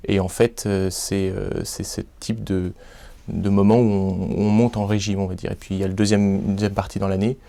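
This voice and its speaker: A man with a very deep voice speaks in a flat, even line. His tone is warm and relaxed as he explains his program step by step. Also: normal speed, gravelly. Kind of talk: testimonial interview.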